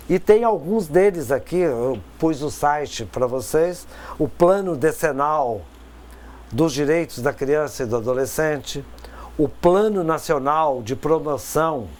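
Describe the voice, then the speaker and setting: A man giving a recorded course lecture in a conversational way, with frequent tag questions, pauses and repeated words. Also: on the high side, darkish tone.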